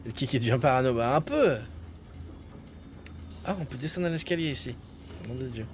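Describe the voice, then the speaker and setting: A man's voice: mid-range voice, a little fast. Male game streamer over noisy game audio. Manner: joking, muttering asides. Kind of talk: casual live gameplay commentary. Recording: noisy game sound behind. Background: video game audio.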